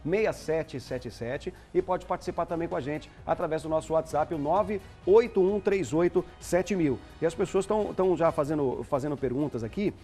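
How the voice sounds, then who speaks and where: A Brazilian man hosting a live TV talk show, reading out contact details and asking a guest questions in a brisk, chatty way. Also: a little high, dark tone, faint music behind. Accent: Brazilian Portuguese. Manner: brisk, promotional, asks questions with many fillers. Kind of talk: live TV interview.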